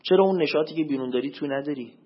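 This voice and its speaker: A man giving a religious lecture as a preacher, swinging between loud emphatic questions and low murmured asides. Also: husky. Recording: dull lo-fi recording.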